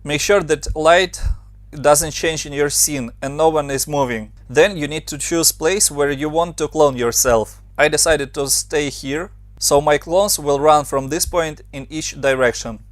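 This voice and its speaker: Man, Ukrainian accent, tutorial voice-over, slightly high, dry close sound, steady step-by-step instructions. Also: no echo. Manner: steady step-by-step instructions in non-native English. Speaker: motion design tutor. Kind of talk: screen-recorded software tutorial.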